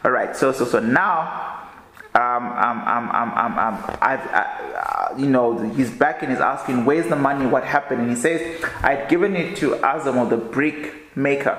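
Halting man reading aloud in an echoey room. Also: a bit bright. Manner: halting reading, often stumbles and restarts words; low-key, tired delivery. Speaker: podcast host. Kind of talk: reading a book aloud with casual commentary.

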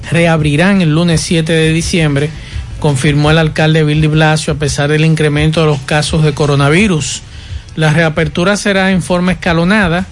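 A Dominican man co-hosting a radio show, reading news and chatting in the studio. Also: fairly high pitch.

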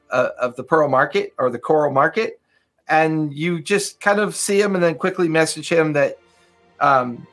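A man's voice: fairly high pitch, fairly bright tone. A man narrating a tabletop game as game master, in loose, filler-heavy narration.

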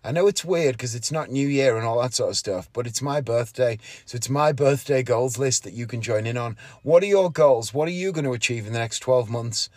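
A man's voice: medium pitch, fairly quick, few pauses, darkish tone, no room sound. A man, talking casually and candidly on his solo podcast from inside a parked car, often correcting himself. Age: 30s. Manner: rambling, candid, self-correcting. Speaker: podcast host, magician.

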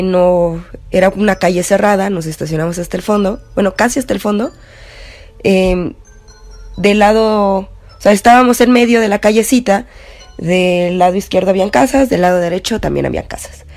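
A woman's voice: medium pitch, a little mellow. A woman with a Mexican Spanish accent casually telling a personal ghost story, rambling with fillers and restarts. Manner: chatty, full of fillers and restarts.

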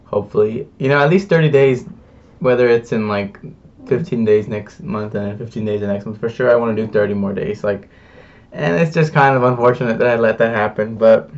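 A man's voice: mid-range voice, brisk, recorded from a distance, lo-fi sound. A young man talking casually to the camera in a rambling, laid-back way, full of fillers and slang. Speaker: vlogger. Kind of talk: casual confessional chat.

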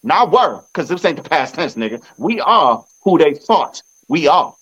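A man's voice: on the high side, very animated, a little slow, a bit bright, husky, dull audio. A man talking casual football trash on a phone video, boastful and repetitive with a swaggering manner. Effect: recorded on a phone. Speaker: sports fan vlogger.

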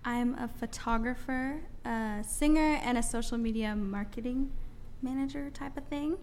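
Young woman with a highish voice. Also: moderate pace, darkish tone, slight background noise. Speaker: panel guest. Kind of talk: casual self-introduction.

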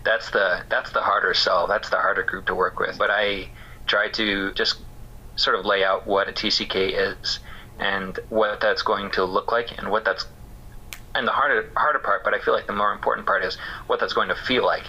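Bright-toned man, halting and reflective. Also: on the low side, fairly even intonation, breathy edge, muffled recording. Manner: thoughtful, halting, many fillers. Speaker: interview guest, missions care worker. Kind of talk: casual reflective interview talk.

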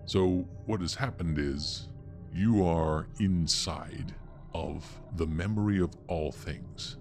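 Very deep-voiced man as game master, over music. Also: takes it slowly, darkish tone. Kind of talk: explaining a tabletop role-playing story in conversation.

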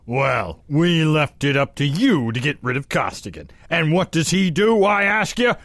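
Surly, highish-voiced gangster. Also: male voice, big pitch swings, a little slow, fairly bright tone, dry recording, heavily acted. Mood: sarcastic, sore. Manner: sneering, slangy, accusing. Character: surly, bullying small-time fight-fixing crook. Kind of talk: hard-boiled gangster radio-play acting.

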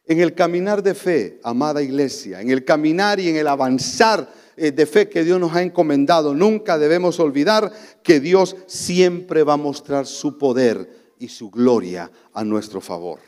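A man with a Honduran accent preaching a sermon as pastor, swinging between loud exclamations and soft low asides. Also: lively intonation, unhurried. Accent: Honduran Spanish. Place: church sanctuary. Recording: long church reverb.

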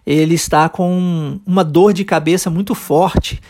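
Brazilian Portuguese accent, podcast language teacher, patient, step-by-step explanations, frequent check-in tags, mid-pitched voice. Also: fairly even intonation, measured pace, a little mellow. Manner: checks in often with short tags. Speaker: English teacher.

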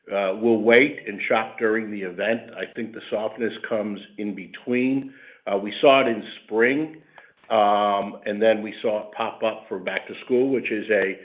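A man speaking as a company executive on an earnings call, plain-spoken and halting, repeating his words. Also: lowish voice. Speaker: company executive answering analysts. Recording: band-limited phone line.

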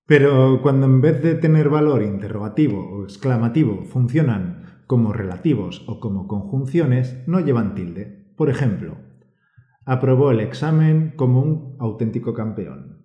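A man co-hosting a scripted teaching podcast. He explains calmly and encourages the listener. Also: mid-range voice, normal speed, dull audio. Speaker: podcast co-host and Spanish teacher. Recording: roomy echo.

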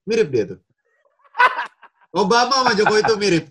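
An excitable man chatting casually, with a voice a bit higher than most men's. He talks in lively, slangy bursts and slips into impressions as he explains them. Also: normal speed, husky. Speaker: guest impressionist. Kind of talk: casual chat.

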